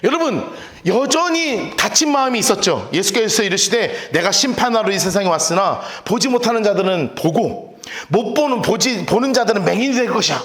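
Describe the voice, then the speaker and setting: A male pastor preaching a sermon, telling the story with animated acted voices and sound effects. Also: sits high, brisk. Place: church sanctuary. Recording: echoey church sanctuary.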